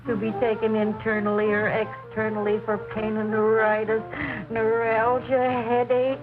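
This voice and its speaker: A woman's voice: fairly high pitch, completely flat delivery, normal speed, close to an everyday voice. An actress playing a fussy older mother who doses herself with tonic, in a drawling, theatrical way. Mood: tipsy. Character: fussy hypochondriac old mother, tipsy on tonic. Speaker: hypochondriac mother. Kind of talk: 1960s film comedy acting. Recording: muffled old film soundtrack with music.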